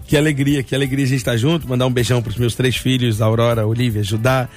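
A man's voice: medium pitch, fairly even intonation, fast, a little mellow, soft background music. A Brazilian man pastor on a radio panel, cheerfully sending greetings to his family and church. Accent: Brazilian Portuguese.

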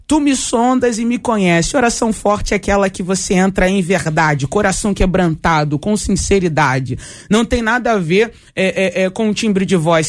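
A woman pastor speaking on a talk show, emphatic and preaching, her pitch swinging high and low.

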